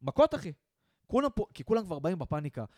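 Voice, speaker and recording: Animated young man ranting in casual chat. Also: a little high, no echo, clean studio sound. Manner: animated ranting, acts out quotes. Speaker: podcast co-host.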